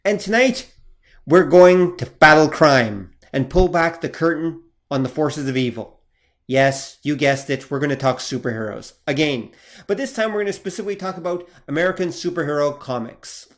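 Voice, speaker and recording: A man hosts a casual podcast and steers the conversation. He talks in an easy, mid-pitched voice. Now and then he adds a playful, theatrical flourish. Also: moderate pace. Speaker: podcast host.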